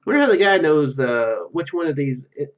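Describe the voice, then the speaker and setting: Male let's-play host, medium-high voice, casual narration with stumbles, slightly lo-fi recording. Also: lively intonation, a little fast. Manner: stumbles and self-corrects while reading. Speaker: gaming video host. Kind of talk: reading game narration aloud with casual commentary.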